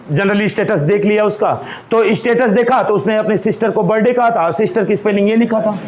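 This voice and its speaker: Male classroom teacher, high and animated, drills each term by repeating it, faint room noise behind. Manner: drills terms by repeating them, calls students "babu". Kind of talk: classroom grammar lesson. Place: classroom with a board.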